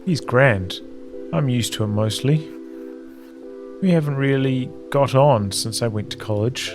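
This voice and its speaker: A man's voice: mid-range voice, a little slow, over music, close to an everyday voice. Man reading as weary, troubled young student. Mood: weary, conflicted. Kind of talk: visual novel dialogue reading.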